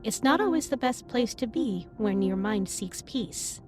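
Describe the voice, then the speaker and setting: A caring female alien captain acted by a woman speaks in a fairly high voice with formal, measured phrasing. She is gentle and reassuring, as in an intimate sci-fi roleplay drama. Music plays behind her. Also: lively intonation. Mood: solemn, supportive. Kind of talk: scripted roleplay audio drama, intimate comforting monologue. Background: ambient music.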